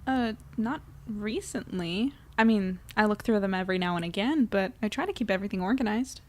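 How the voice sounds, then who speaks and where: A woman's voice: mid-range voice, animated, a little fast, close to an everyday voice. A woman playing an anxious, self-doubting young newspaper editor, narrating and chatting wryly in an audio drama. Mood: awkward, exasperated. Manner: wry, melodramatic, conversational. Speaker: narrator and lead character.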